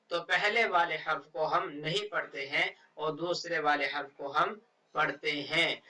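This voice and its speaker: A man teaching how to read the Quran, spelling out Arabic letters and words one slow syllable at a time. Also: on the high side, bright, forceful tone, distant mic, rough recording. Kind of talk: step-by-step recitation lesson.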